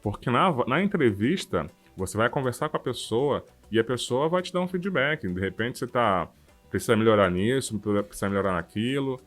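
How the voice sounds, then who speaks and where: A man's voice: mid-range voice, a little fast, soft background music. A man with a Brazilian Portuguese accent co-hosting a podcast, talking informally and with animation. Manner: informal, animated, frequent "cara" and "sabe". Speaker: podcast co-host. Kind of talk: casual chat. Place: works abroad.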